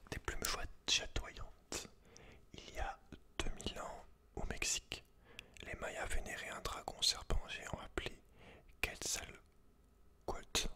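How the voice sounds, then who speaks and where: A man who makes ASMR content reads aloud in a breathy, unvoiced whisper, slow and hushed, with casual asides.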